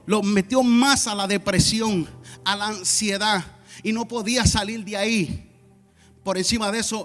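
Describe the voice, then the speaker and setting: High-voiced pastor preaching. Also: male voice. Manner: impassioned, shifting from loud peaks to quiet asides. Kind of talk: sermon with personal testimony. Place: church sanctuary. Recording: long church hall reverb, faint music.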